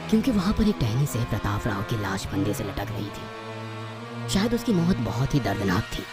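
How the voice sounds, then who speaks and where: A man's voice: fairly low pitch, big pitch swings, normal speed. A man narrating a scripted first-person horror story in a dramatic manner. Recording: loud music over the voice. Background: loud music.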